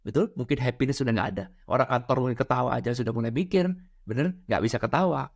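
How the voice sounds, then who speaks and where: A man's voice: medium pitch, fast. A man giving a motivational talk on money and happiness, asking rhetorical questions, acting out little scenes and mixing in English words. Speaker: financial and spiritual coach.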